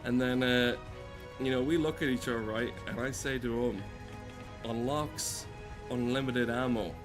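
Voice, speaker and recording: Higher-voiced man rambling over game music. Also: a little slow. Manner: rambling, profane, dry joking. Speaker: game streamer. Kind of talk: casual joking gameplay commentary.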